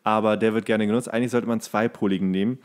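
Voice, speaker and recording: A man's voice: fairly low pitch, steady tone, very fast, a little mellow. A male podcast co-host chatting casually about practical things in a colloquial, jokey, rambling way. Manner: colloquial, jokey, loose and digressive. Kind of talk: casual, rambling chat about tools and DIY.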